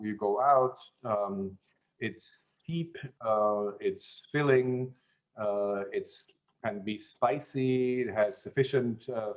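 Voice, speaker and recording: A man who grew up in German-speaking Europe, chatting as an interview guest in an unhurried way, with many fillers and restarts. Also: on the low side, highs cut off. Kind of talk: casual interview chat.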